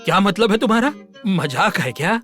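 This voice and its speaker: A man's voice: high-pitched, animated, moderate pace, sharp tone, soft background music. An actor dubbing a proud, theatrical father praising his daughter. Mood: boastful. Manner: boastful, theatrical. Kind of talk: dubbed film acting.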